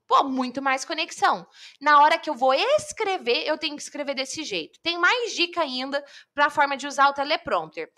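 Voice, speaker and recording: A woman coach teaching public speaking in a live online lesson, lively and talking straight to viewers. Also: sits high, moderate pace. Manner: lively, addresses viewers directly.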